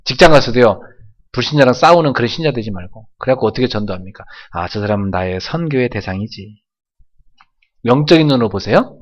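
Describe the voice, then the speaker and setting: A man preaching a sermon in a church, prompting the congregation to answer and repeat after him, dropping to quiet asides and then rising to loud exclamations. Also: medium pitch, lively intonation, brisk, muffled recording. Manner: emphatic preaching with call-and-response prompts. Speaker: pastor. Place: church sanctuary.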